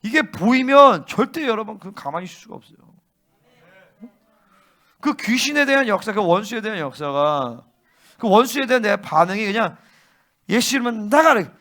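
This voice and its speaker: A male pastor preaching a fervent sermon and often pressing his listeners with quick questions. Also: sits high, lively intonation, pushed and bright. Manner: fervent, keeps prompting listeners with "응?".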